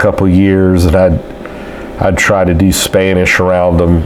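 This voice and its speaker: A man speaks with a very deep, low pitch. His fairly slow delivery comes over noticeable background noise. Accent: Southern US. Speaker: pastor. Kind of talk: product review. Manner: casual, rambling with fillers.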